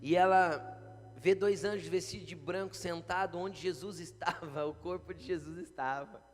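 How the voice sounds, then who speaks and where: A man preaches a sermon in a high, bright tenor, often putting questions to his congregation. His voice rings through a church hall with a long reverb tail. Soft guitar music plays faintly behind him. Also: fairly even intonation, moderate pace.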